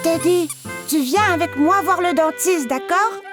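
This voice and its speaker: A very high, small voice of a four-year-old boy. He is curious and a little timid, as in a children's cartoon, with music playing behind him. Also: a little slow. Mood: curious, polite.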